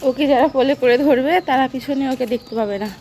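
A woman talks quickly through her vlog while carrying her infant outdoors. Her voice is gravelly and rather dark. It stays fairly flat. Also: high-pitched, slight background noise. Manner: chatty, explains her day while holding her baby. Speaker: vlogger and new mother. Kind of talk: casual vlog narration. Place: outdoors near a large field.

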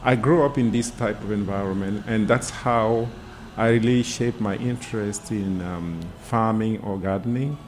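A man from Cameroon, a guest in an interview, speaking in a measured, halting way with frequent pauses. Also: lowish voice, steady tone, slight background noise. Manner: measured, halting, many "uh" fillers. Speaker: guest, environmental sociologist. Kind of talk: casual interview conversation.

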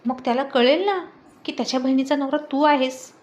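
A woman's voice: high-pitched, fairly even intonation, fairly quick, a little mellow, lightly acted. A woman voicing a stubborn young wife who complains and insists. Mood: insistent.

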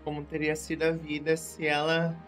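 A woman's voice: low voice, monotone, moderate pace. A thirty-year-old woman with a Brazilian accent, commenting on a game to her live chat in a reflective, emphatic way. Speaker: game streamer. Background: game music.

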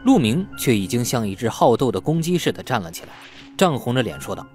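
A man narrates a novel for an audiobook. His mid-pitched voice moves with lively, wide intonation, and faint music plays behind him. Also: fast talker.

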